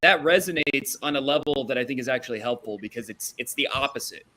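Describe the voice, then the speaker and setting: A man's voice: medium pitch, animated, fast, sharp tone, rough recording. A man on a casual podcast panel, speaking bluntly and giving strong opinions.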